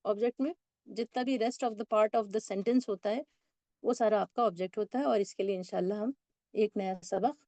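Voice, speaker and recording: Mellow-voiced woman teaching English. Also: medium pitch, no echo. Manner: patient, explains slowly, reads English sentences word by word. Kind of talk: spoken English lesson.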